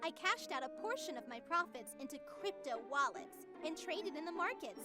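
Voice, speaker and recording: High-pitched, smug young AI girl. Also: lively intonation, normal speed, loud music behind the voice. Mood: smug, playful. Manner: playful, self-satisfied, conversational. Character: young female AI, cheerful, smug, obsessed with Halloween. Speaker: narrator of a horror visual novel. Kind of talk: scripted first-person game narration.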